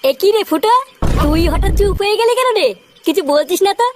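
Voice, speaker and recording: A woman's voice: extremely high pitch, expressive, fast talker. A woman voicing a hot-tempered, foul-mouthed young man in a cartoon, scolding and cursing. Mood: bossy. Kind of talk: cartoon voice acting. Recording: music behind.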